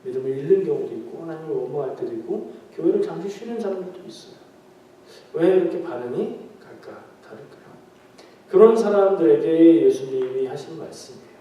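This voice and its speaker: In a very echoey church sanctuary with the mic far away, a pastor delivers a midweek prayer meeting sermon in a conversational style, questioning and joking with the congregation. He sounds animated and brisk, fairly high-pitched with a dark tone, and the audio is dull.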